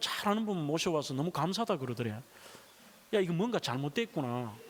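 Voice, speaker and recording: A man speaks in an animated tone. His pitch swings very widely. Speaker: guest preacher at revival meeting. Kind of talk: sermon. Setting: church. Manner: animated storytelling.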